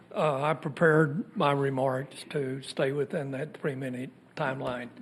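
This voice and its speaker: With a Texas accent, a man talks at a moderate pace in a fairly high, somewhat breathy voice with fairly even intonation. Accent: Texas accent, kept despite trying to lose it. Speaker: public commenter, retired HR executive. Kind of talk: prepared public comment.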